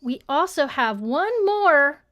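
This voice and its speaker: A woman with a fairly high voice co-hosts a live podcast in a relaxed, chatty style. She banters playfully and pokes fun at herself as she shares updates. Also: slow. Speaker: co-host of a podcast live show. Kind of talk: casual chat, announcing channel updates.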